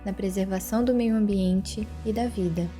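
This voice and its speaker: Narrator, young woman, Brazilian, warm dark tone, scripted delivery, soft music bed. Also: mid-range voice, normal speed. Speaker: podcast narrator.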